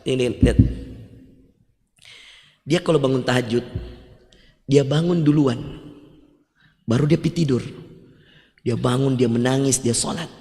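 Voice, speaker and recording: A man's voice: medium pitch, measured pace, gravelly, long pauses, mellow. A man with a Makassar Indonesian accent giving a mosque sermon, telling stories with humor and quoting Arabic. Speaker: preacher. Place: large mosque hall. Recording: long mosque reverb.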